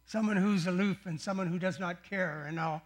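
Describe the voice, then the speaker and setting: Older male pastor with a high voice. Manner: earnest, unhurried storytelling with soft-spoken prayer. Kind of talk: sermon.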